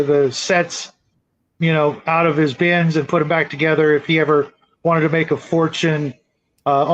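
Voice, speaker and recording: A middle-aged man hosting a casual live-stream chat, talking in a rambling, hesitant way. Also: a little high. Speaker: show host. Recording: dull, lo-fi audio.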